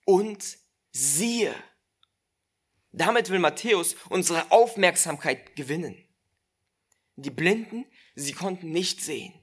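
This preacher's mid-range voice is fairly bright, with lively intonation and a breathy edge. Slow and emphatic, his sermon returns again and again to key phrases as he addresses the listeners directly.

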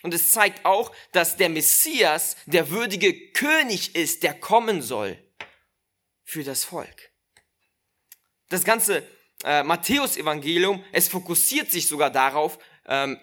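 A preacher giving a sermon, slow and emphatic, repeating key phrases and speaking directly to the listeners. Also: medium pitch, lively intonation, sharp tone.

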